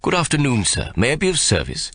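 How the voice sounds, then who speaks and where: An unctuous, fussy jeweller in his fifties, as a male narrator voices him, fawning over a customer with a lilting, lifted voice. He swings his pitch about and leans on every courtesy. The audiobook sound is dry and close. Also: huge pitch swings, quick pace, a bit bright, no room sound. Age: 50s.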